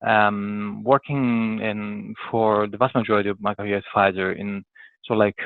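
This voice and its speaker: A man's voice: on the low side, little pitch movement, moderate pace, vocal fry, no echo. An Italian man with an Italian accent answering interview questions conversationally as a podcast guest, hesitant and thinking aloud in broken phrases. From Italy. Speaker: podcast guest, corporate professional. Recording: thin phone-like call audio.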